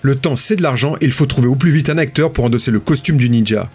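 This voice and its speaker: Husky male documentary narrator. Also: mid-range voice, a little mellow, soft background music. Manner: measured, storytelling delivery.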